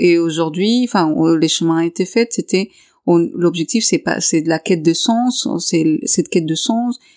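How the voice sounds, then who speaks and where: A woman with a Spanish accent speaks fairly slowly in a fairly low pitch, keeping her loudness very even. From Colombia, Santander. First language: Spanish (speaking French). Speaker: life coach. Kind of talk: interview. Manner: halting, many repetitions.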